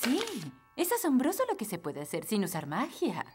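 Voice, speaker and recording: A woman with a Latin American Spanish accent voicing a prim, exasperated fairy nanny in a children's cartoon, theatrical and crisply formal. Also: on the high side, wildly swooping pitch, moderate pace. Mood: wry. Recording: loud music behind.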